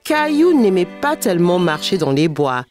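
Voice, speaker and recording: A woman's voice: fairly low pitch, sing-song, normal speed, darkish tone, faint music behind. A woman narrating a children's cartoon in the manner of a storybook reader. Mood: storytelling. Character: storyteller of a small boy's everyday adventures.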